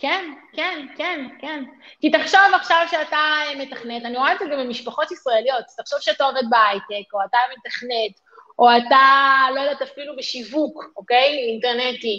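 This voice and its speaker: In a raised, projected voice, a woman with a high pitch and bright, sharp tone talks at a moderate pace with ordinary pitch variation. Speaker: real estate entrepreneur. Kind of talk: interview.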